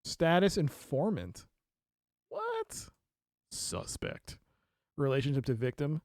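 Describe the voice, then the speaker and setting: A man's voice: fairly high pitch, lively intonation, moderate pace, no echo, studio quality. A man streaming a mystery game, reading case notes aloud and reacting with laughs and asides. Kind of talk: casual let's play commentary.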